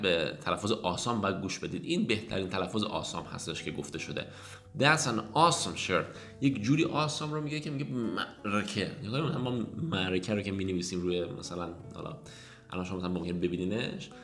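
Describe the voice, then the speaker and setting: A man whose first language is Persian, teaching English phrases in a casual lesson, reading example lines slowly and explaining them quickly. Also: on the low side, gravelly, a bit bright. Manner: explains rapidly in casual Persian, addressing viewers as kids.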